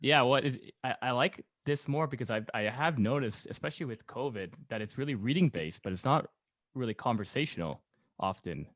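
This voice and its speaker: A man's voice: medium pitch, animated, fairly quick, a bit bright, no room sound, studio quality. A man chatting casually as a podcast host. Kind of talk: casual chat.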